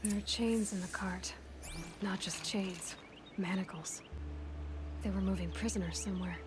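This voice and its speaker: A woman's voice: mid-range voice, fairly even intonation, normal speed, noisy background, natural voice. A woman voicing a young, tough and curious tribal huntress in a video game, dry and determined in manner. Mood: musing.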